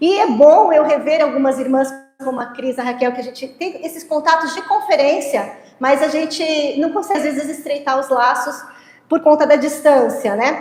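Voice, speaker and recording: Amid noticeable background noise and audible room echo, a woman with a São Paulo interior accent talks at a high pitch and moderate pace, with ordinary pitch variation. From interior of São Paulo state, Brazil (São José dos Campos). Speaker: women's conference speaker. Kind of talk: conference talk.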